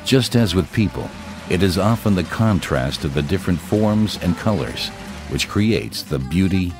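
A man giving calm, measured, reverent narration for a documentary. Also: low voice, over music.

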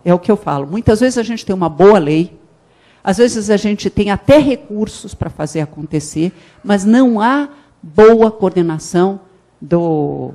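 A middle-aged woman from Brazil giving a conference talk on a handheld mic, animated, with frequent restarts and emphatic rises. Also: medium pitch. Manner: animated, gestures while speaking, many restarts and emphatic rises. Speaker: conference panelist. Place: conference hall with a panel table.

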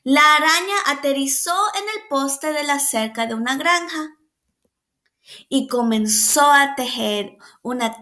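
High, slow-spoken woman teacher. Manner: patient, asks the children questions and praises them; animated, sounds out the animal noises. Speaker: preschool teacher. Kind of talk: reading a picture book aloud to young children.

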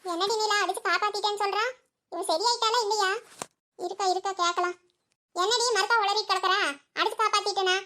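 A woman's voice: extremely high pitch, fairly even intonation, quick pace, bright, forceful tone. A woman voicing chatty village women in a cartoon, fussing, gossiping and scolding. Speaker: cartoon character.

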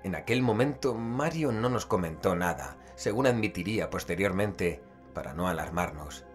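Horror audio drama narrator: man playing a grave male investigator, very low register, literary and measured, over a music bed. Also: lively intonation. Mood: grave, ominous.

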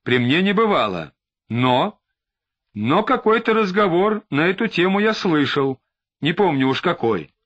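A man's voice: a little high, sing-song, a little slow, fairly bright tone, muffled recording, pitched above the performer's own voice, heavily acted. A man doing a sniveling, panicky suspect. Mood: irritable. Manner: sniveling and agitated. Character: whining, tearful, panicky middle-aged male suspect.

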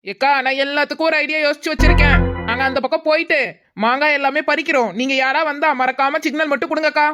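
A woman voicing a bold, scheming village girl in a cartoon dub, loud and bossy. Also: high voice, fairly even intonation, quick pace, music in the background, natural voice. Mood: bossy, cheerful.

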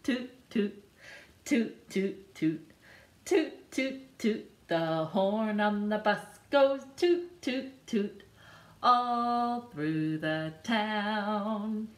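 Sing-song librarian woman, slow and bouncy. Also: mid-range voice, roomy sound. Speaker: children's librarian. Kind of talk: singing a picture book for babies. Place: living room with a couch and a decorated wall.

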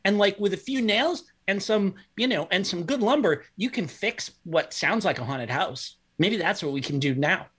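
A woman's voice: medium pitch, lively intonation, normal speed, hardly any pauses, a bit bright, husky. A woman playing a tabletop game over a video call, easygoing and laid-back. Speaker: player. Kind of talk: casual tabletop play.

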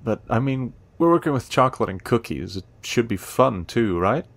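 A friendly young man played by an actor in a romance audio drama, talking playfully and warmly to the listener. His pitch is lively, with creaky edges, recorded close and dry. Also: moderate pace, no room sound. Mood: warm, earnest. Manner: teasing, warm, conversational. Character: friendly, playful, eager young male cafe helper.

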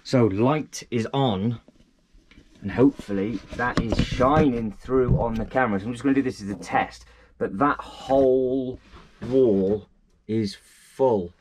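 A man's voice: medium pitch, a little slow, noisy background. A man chatting casually while painting and tidying his hobby room, repeating himself and joking at his own expense. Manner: chatty, self-deprecating, lots of fillers and repeats. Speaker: vlogger. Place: indoor hobby room at home.

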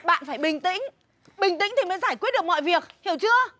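An actress playing a fussy, gossiping middle-aged friend in a TV drama, quick and insistent. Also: female voice, very high-pitched, heavily acted. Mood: soothing. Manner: fast, fussy, urging calm. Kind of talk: TV drama acting.

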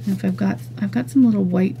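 A woman teaching an acrylic painting lesson, talking casually and thinking aloud as she works, with soft murmured asides. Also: mid-range voice, fast, a little hiss or hum. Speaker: painting instructor. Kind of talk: relaxed step-by-step art lesson.

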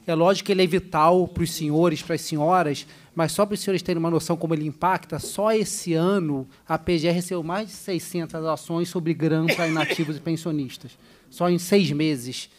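Attorney guy from rio explaining stuff politely at a hearing, a bit high voice. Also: fairly even intonation, moderate pace, a little hiss or hum. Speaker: state attorney. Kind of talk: formal address at a hearing.

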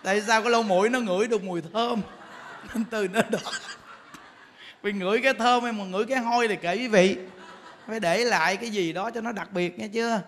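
A man's voice: high-pitched, brisk, a bit bright, a little hiss or hum. A man, a Buddhist monk giving a sermon, telling humorous stories and laughing as he talks. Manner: humorous storytelling, laughs while talking. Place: temple lecture hall. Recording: long hall reverb.

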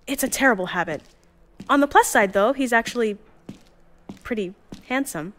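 Here the actress gives Jules, the cheerful young woman who runs a time capsule team and narrates its recordings, a slightly high, fairly bright voice with lively intonation at a moderate pace. Jules sounds bubbly, chatty, and flustered.

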